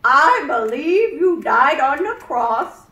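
A woman's voice: high voice, sing-song, takes it slowly, sharp tone, heavily acted. A woman voicing an elderly puppet teacher who explains things patiently and earnestly, in an emphatic preacherly way, for a children's puppet show. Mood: prayerful. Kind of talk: children's puppet show, scripted Bible lesson. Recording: roomy echo, distant microphone.

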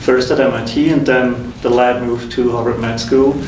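A man in his thirties from Switzerland, a faculty guest recounting his career path in a measured, reflective way. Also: medium pitch, flat delivery, darkish tone. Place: lecture room with whiteboards. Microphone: room mic from a distance. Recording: echoey room, distant mic, noisy.

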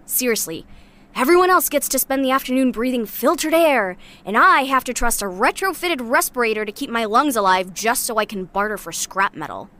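A young female scrap scavenger played by a woman speaks in a fairly high voice. She is blunt, guarded and cynical, with a dry sarcastic edge, as if logging a confession in a sci-fi audio drama. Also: lively intonation, fairly quick, pushed and bright. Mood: exasperated, sarcastic. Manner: sardonic, blunt, casual, swearing. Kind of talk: audio drama monologue, naturalistic.

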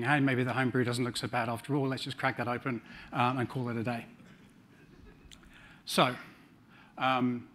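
A man's voice: mid-range voice, fairly bright tone. A middle-aged man with a New Zealand accent giving a conference talk on a large stage, with dry humor and frequent ums. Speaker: conference speaker.

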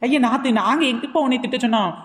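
Brief: quick, mocking woman, Kanyakumari Tamil accent, reverberant sound. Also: high voice, expressive. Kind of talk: comic family skit.

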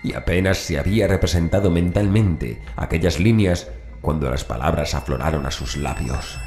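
Very deep-voiced man narrating horror. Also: normal speed, darkish tone. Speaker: audiobook narrator. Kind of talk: scripted horror story narration. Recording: roomy echo with faint music. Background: background music.

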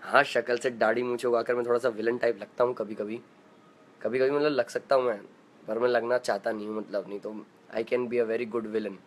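A man's voice: mid-range voice, steady tone, fairly quick. A young man hosting a casual live stream from his room at home, chatting playfully and greeting viewers by name as he reads their comments aloud.

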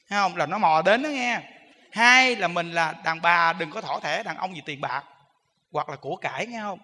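A man's voice: high voice, pushed and bright, in a large hall. A man with a Southern Vietnamese accent, a Buddhist monk giving a humorous, chatty sermon full of rhetorical questions. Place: temple hall.

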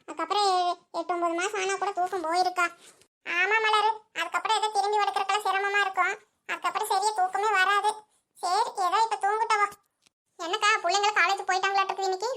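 A woman's voice: extremely high pitch, pushed and bright. A woman voicing chatty village women in a cartoon, fussing, gossiping and scolding. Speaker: cartoon character.

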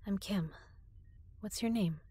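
A young woman performing an intimate audio drama as a frightened prisoner, speaking softly and often in a whisper. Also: medium pitch, takes it slowly. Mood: tender. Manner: soft, breathy, often whispered.

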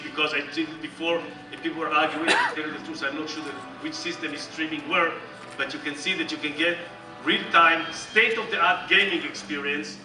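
Middle-aged Israeli-accented presenter, bright and emphatic, heard from the audience in a big echoey hall. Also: male voice, a little high, distant mic. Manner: animated, joking, emphatic and repetitive. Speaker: company executive presenting on stage. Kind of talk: keynote presentation. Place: large dark conference hall with audience.

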